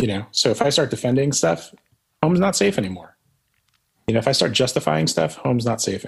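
Talking at a very fast pace, a man of medium pitch shows very wide pitch swings and vocal fry. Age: 30s. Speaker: musician. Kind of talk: casual chat.

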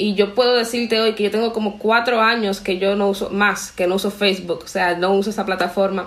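Woman at a medium pitch with monotone, flat intonation, a fairly quick pace, hardly any pauses and noticeable background noise. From Dominican Republic. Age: 20s. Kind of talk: casual interview.

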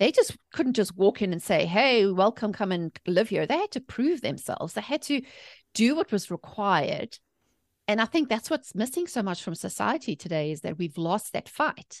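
A woman with a South African accent speaks at a moderate pace in a fairly high pitch, her voice making very wide pitch swings. The background is quiet. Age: 40s. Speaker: mindset coach and author. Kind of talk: interview conversation.

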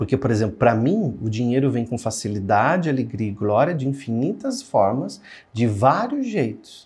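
A man speaks in an animated tone at a moderate pace and medium pitch. His voice is somewhat breathy, with ordinary pitch variation. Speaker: motivational speaker and channel host. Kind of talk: motivational pep talk with affirmations. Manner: earnest, animated, coaching tone, repeating affirmations.

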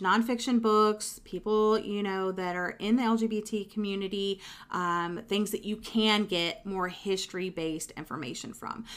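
A woman with a plain, everyday voice speaks at a moderate pace, medium in pitch with ordinary pitch variation. The recording is very clean, with a silent background. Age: 40s. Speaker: book podcast co-host. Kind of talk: casual chat.

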